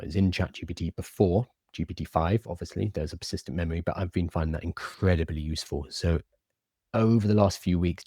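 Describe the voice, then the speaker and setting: A man hosting a casual live stream, chatting with a lisp and soft R's that sound like w's. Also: sits low, no room sound, clean studio sound. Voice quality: lisp, can't say his R's, says w for r. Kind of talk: casual live-stream chat, answering viewer comments.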